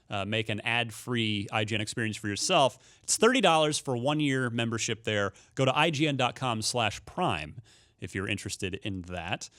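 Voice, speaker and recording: A man's voice: mid-range voice, fairly bright tone. A man hosting a podcast in casual, conversational talk, plugging things to check out. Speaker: podcast host.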